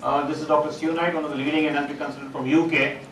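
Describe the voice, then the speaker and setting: A middle-aged psychologist with an Indian English accent gives a halting conference presentation on a large auditorium stage, full of "uh" fillers and restarts. His voice is fairly high and bright with little pitch movement. A distant room mic picks him up as he stands on stage, so the recording is echoey and noisy.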